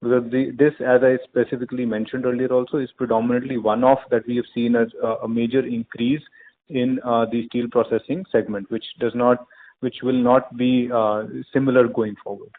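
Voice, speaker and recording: A man with an Indian accent answering questions as a company executive on an earnings call, in a measured, hesitant, formal corporate way. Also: mid-range voice, little pitch movement. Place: conference call. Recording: narrow phone line with clear noise.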